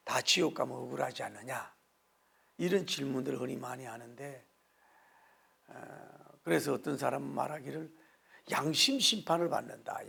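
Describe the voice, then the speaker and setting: A man's voice: medium pitch, vocal fry, slightly rough. A middle-aged man preaching a sermon lecture as pastor, folksy in manner. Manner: folksy, mimics regional dialects for humor.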